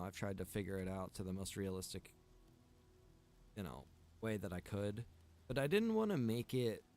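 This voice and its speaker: A man chatting casually while streaming a survival game, rambling in a relaxed way to his viewers. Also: lowish voice. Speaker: streamer and server owner. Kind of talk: casual gaming stream chat.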